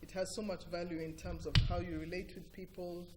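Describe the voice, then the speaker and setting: A middle-aged woman with a Ugandan accent, speaking as an interview guest in an earnest, emphatic and deliberate explanatory way. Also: lowish voice, little pitch movement, very noisy. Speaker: interview guest, cultural organisation director. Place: TV breakfast show interview.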